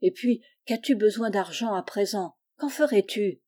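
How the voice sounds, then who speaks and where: A woman voicing a gentle, pious blind young girl in a storybook reading, soft, calm and resigned. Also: mid-range voice, moderate pace, close to an everyday voice.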